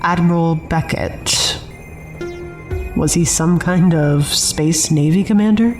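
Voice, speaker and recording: A woman's voice: lowish voice, slow pace, music in the background. An actress playing a wary, sarcastic woman survivor in an audio drama, with a dry, impatient manner.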